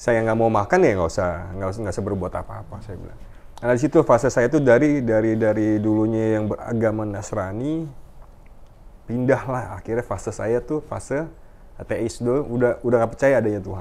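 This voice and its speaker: He talks at a fairly quick pace with ordinary pitch variation. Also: medium pitch for a man. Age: 30s. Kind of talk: testimony. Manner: animated.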